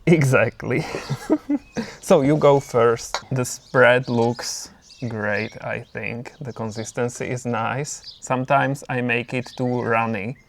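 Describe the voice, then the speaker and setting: A man's voice: medium pitch, steady tone, slow, vocal fry, a little hiss or hum. A man hosting a home vlog, chatting easygoing about cooking and his garden outdoors, laughing often. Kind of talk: relaxed home vlog chat.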